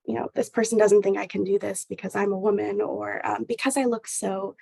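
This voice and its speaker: A woman's voice: medium pitch, fairly even intonation, fairly quick, vocal fry, dark tone, breathy edge, dry recording. A woman hosting an interview podcast, asking questions in a hesitant way with many fillers.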